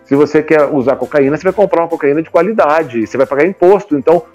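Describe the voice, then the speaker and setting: A man's voice: a little high, quick pace, darkish tone, highs cut off, soft background music. A man in his fifties with a Brazilian accent, talking casually and at length as an interview guest, often tagging his points for agreement. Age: 50s. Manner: talkative, colloquial, often seeks agreement with tag questions. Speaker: guest, comics publisher. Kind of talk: casual conversational interview talk.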